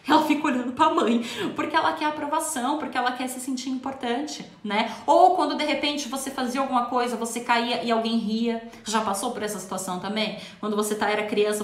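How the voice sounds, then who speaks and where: A woman with a high, bright voice talks to parents about raising children. She speaks with emphasis and often repeats a word two or three times to drive a point home. The sound is echoey, as if recorded in a bare room. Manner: emphatic, repeats words for stress. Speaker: parenting educator. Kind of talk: talk to viewers.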